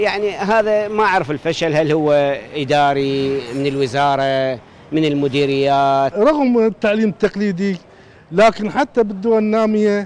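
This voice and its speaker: A man talks at a fairly slow pace in a high voice, his intonation lively. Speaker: interviewee. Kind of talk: interview answer. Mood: critical, complaining. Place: market. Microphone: handheld.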